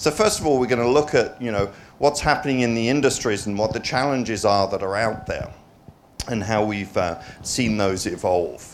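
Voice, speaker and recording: A man with an American accent speaks at a moderate pace and a fairly low pitch, using ordinary pitch variation, with audible room echo around him. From United States. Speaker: cybersecurity company director presenting. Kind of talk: conference presentation.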